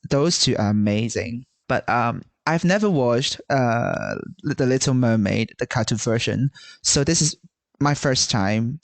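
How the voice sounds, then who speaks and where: A man co-hosting a podcast in casual chat, animated and restarting often. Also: mid-range voice, no echo. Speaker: podcast co-host.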